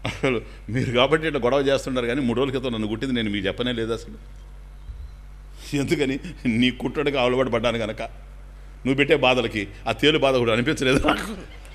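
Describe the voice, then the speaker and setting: A man voicing a long-suffering, sharp-tongued housewife who answers her husband with dry, needling retorts. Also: medium pitch, fast talker, pitched below the performer's own voice, lightly acted. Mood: teasing.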